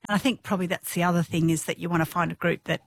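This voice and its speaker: A woman in her fifties with a low alto voice, a physiotherapist talking enthusiastically on radio. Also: steady tone, very fast, creaky. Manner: enthusiastic, warm, laughs often. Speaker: physiotherapist guest. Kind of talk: casual radio interview.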